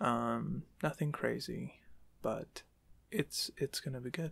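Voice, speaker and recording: A man's voice comes across dry, with no echo. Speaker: plays a recruiter interviewer. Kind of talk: role-play interview questions, casual.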